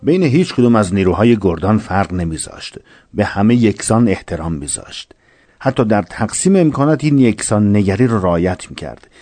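Male narrator, scripted narration, low dark voice, steady, dry sound. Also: dry recording.

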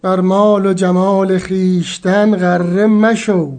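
An actor playing a wise old male sheikh in a radio drama, giving counsel in a slow, measured, teaching manner. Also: high-pitched, level tone, darkish tone. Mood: calm, instructive.

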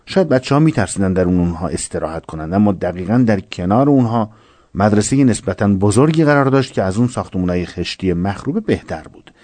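A man reads scripted narration in a low, dark, mellow voice. His delivery is steady and solemn, and the sound is close and dry. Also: no room sound.

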